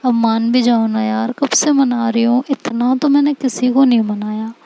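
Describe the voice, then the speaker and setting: A woman's voice: on the high side, fairly even intonation, moderate pace, creaky, warm tone, rough recording. A woman voicing a playful young woman who teases and coaxes her upset wife in a pleading, sing-song way. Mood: coaxing.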